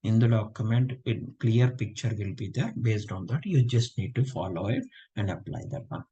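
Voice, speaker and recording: A man's voice: fairly low pitch, moderate pace, mellow, husky, muffled recording. Unwell man teaching a class. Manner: repetitive, checks in with students often. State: unwell, low voice. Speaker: instructor. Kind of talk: live online class teaching.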